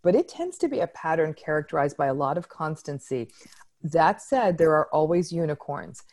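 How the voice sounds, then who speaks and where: Woman, low warm voice, expert interview guest, candid and articulate. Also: moderate pace. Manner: articulate, frank, lively emphasis. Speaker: psychologist guest. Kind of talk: interview answer.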